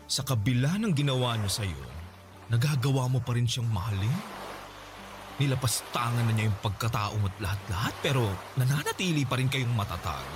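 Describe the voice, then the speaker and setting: A man's voice: medium pitch, lightly acted. An actor playing a wealthy older gay man, smug and manipulative, in a radio drama, with a teasing, sing-song delivery.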